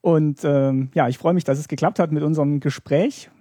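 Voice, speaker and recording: A man's voice: a little high, steady tone, normal speed, dark tone, no room sound, clean studio sound. A man hosting a podcast interview, politely and somewhat hesitantly moderating his guests. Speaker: podcast host.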